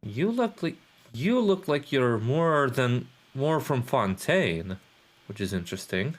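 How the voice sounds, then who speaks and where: A man live-streaming a game, reacting casually and reading dialogue aloud in a halting, thinking-aloud way. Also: medium pitch, big pitch swings.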